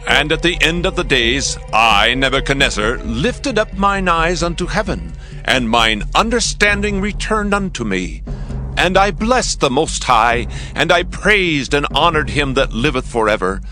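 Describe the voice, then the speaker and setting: Bright male voice, majestic Babylonian king, declamatory, highly animated pitch, grand, scripture audio drama. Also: measured pace, exaggerated voice. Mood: reverent, exalted. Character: proud, exalted king of Babylon, boastful then reverent. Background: faint music.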